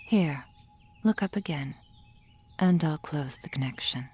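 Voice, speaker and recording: Woman doing a calm soul healer, low breathy whisper, slow and soothing, ASMR roleplay. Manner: soft whispering, soothing and formal. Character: gentle female soul healer, calm and reassuring.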